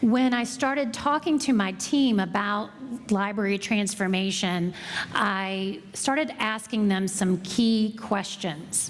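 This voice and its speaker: A woman with a Southern US accent speaks at a very slow pace, her pitch medium and its variation ordinary, her loudness very even. Noticeable background noise and audible room echo fill the recording. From US South, South Carolina (Columbia). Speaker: library director. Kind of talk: conference talk. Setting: conference audience. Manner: slow, deliberate.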